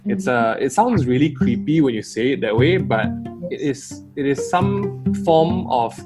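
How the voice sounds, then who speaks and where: A man's voice: mid-range voice, animated, measured pace. A man giving a casual interview, thinking aloud in informal, conversational phrases. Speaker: interviewed guest, YouTuber. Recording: loud guitar music behind voice. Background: guitar music.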